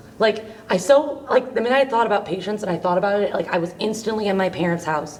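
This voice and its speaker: At a very fast pace, a woman talks in a medium pitch with ordinary pitch variation. Noticeable background noise runs underneath. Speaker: teacher. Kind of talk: casual chat.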